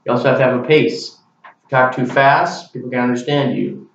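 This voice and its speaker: A man's voice: medium pitch, fairly even intonation, fairly quick, gravelly, a little hiss or hum. Young man in a very echoey room. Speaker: student. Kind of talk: class speech to camera. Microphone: camera mic. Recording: very echoey, distant, dull camera recording.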